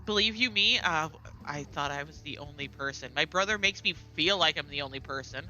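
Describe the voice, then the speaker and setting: Casting: a bright-voiced, rambling, middle-aged American mom chatting while she plays, music faint underneath. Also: low voice, a little fast, rough recording. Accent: General American. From United States. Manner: chatty, rambling, lots of fillers and asides. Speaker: gaming streamer. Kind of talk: casual chat while playing a game.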